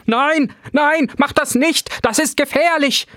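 A man voicing a small, bald, jittery male museum guide who stammers and bursts into high, panicky cries. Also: sing-song, takes it slowly, a bit bright, dry recording, studio quality, exaggerated voice. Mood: panicked.

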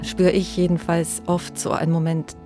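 A woman pastor, speaking in a thoughtful, measured way in an interview and growing animated when she stresses a point. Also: fairly low pitch, music in the background. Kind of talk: interview conversation.

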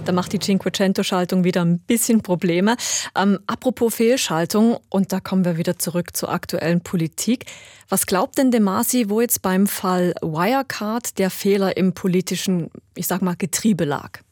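A woman's voice: medium pitch, moderate pace, darkish tone, dry recording. Woman asking questions in a dry studio. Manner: curious, probing questions. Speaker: radio host. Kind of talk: studio moderation.

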